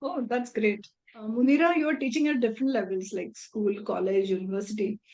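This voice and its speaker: Indian woman host, rather high voice. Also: fairly quick, darkish tone. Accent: Indian English. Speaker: interview host. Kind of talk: polite interview hosting.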